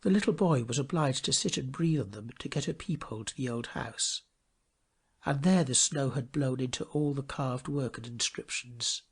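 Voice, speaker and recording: A man reading a storybook tale aloud in an expressive, dramatic storytelling manner. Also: medium pitch, moderate pace, breathy edge. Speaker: storybook reader. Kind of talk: scripted storybook narration.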